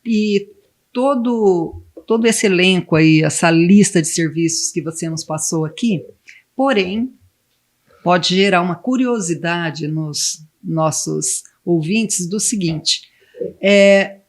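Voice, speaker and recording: A woman's voice: on the low side, slow pace. Brazilian woman hosting a podcast interview.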